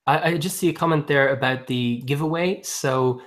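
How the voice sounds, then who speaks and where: A man's voice: a little high, moderate pace, fairly bright tone. A man hosting a casual live-stream book chat who hesitates a lot, with frequent ums, restarts and laughs. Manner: laughs often while talking. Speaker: booktube host.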